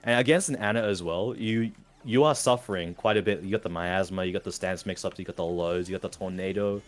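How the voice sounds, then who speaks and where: An Australian man casts a fighting game, calling the play-by-play and breaking down the action in a steady, analytical way. His voice is low and brisk, and it lifts with excitement during big moments.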